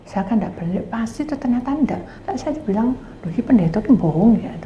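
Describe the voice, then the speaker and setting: A middle-aged woman pastor tells a sermon story in an animated way, acting out both sides of each conversation and sometimes dropping to a whisper. Her voice is a little high and a little fast, and the muffled recording has an echoey room with faint background noise.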